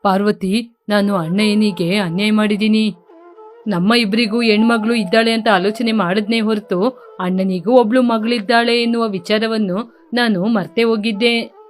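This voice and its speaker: A woman's voice: medium pitch, steady tone, normal speed, faint music behind, voice pushed down, natural voice. A woman voicing a remorseful village father.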